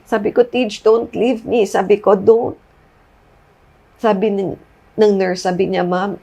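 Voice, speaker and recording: A woman's voice: medium pitch, vocal fry, dark tone. Woman, middle-aged, Filipino accent, guest, personal testimony, mid-range voice, code-switching between Tagalog and English.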